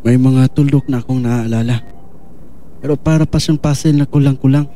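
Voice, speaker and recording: A man's voice: mid-range voice, fairly even intonation, moderate pace, warm tone, lightly acted. A man acting a troubled, earnest young man with lost memories in an audio drama. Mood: confused.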